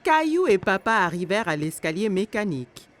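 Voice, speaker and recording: Animated woman narrating a children's story. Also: mid-range voice, fairly quick, slight background noise. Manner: expressive storytelling in simple sentences. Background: music.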